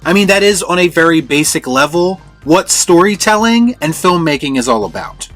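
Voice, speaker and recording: A man delivers scripted review commentary as a host. His voice sits a little high for a man, with light music playing underneath. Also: fairly bright tone. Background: background music.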